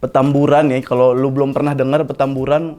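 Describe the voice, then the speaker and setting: Chatty young comedian. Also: male voice, brisk. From Jakarta, Indonesia. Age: 20s. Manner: casual slangy storytelling with animated pitch jumps. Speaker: stand-up comedian. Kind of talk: comic monologue storytelling. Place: studio.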